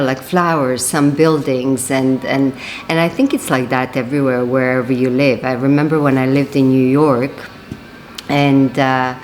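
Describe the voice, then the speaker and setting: Very low-voiced woman vlogger. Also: a little hiss or hum. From Serbia. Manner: rambling, with many fillers and restarts. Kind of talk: casual vlog talk.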